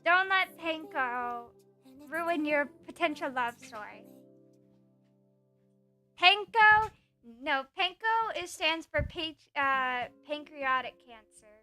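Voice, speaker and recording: A woman's voice: sits high, lively intonation, takes it slowly. A woman streamer chatting casually and playfully, rambling as she reads out her chat and teases viewers. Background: soft background music.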